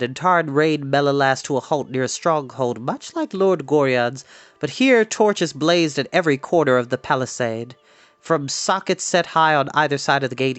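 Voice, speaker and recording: A man reading a fantasy novel aloud in an expressive narrating style. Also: on the high side, no echo. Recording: music behind the voice. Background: background music.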